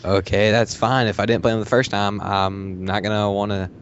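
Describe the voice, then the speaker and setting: Low-voiced young man, dull audio. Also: little pitch movement, normal speed. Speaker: podcast panelist. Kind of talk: casual chat. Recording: muffled audio with faint background noise.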